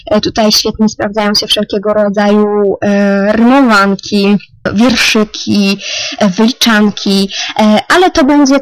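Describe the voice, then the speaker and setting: A woman in her thirties hosting a spoken lesson on rhythm for parents, explaining calmly with frequent filler sounds and counting beats softly under her breath. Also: mid-range voice, no echo, low-quality recording. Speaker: music educator, podcast host.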